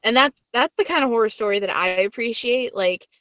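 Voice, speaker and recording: A woman's voice: fairly high pitch, fairly quick, no room sound. A woman hosting a casual podcast interview over a dull, slightly lo-fi remote connection. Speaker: guest host.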